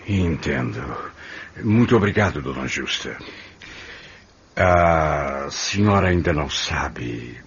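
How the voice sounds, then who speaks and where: An actor playing a grieving, courteous middle-aged father in a radio drama, subdued and halting. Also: rumbling low, expressive, breathy edge, heavily acted. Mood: subdued grief. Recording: muffled telephone scene, faint noise.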